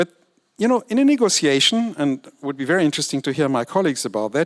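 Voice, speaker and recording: A man talks very fast with a German accent, his fairly high voice swinging very widely in pitch. The sound is dry and close, with no echo. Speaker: diplomat. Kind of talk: panel discussion.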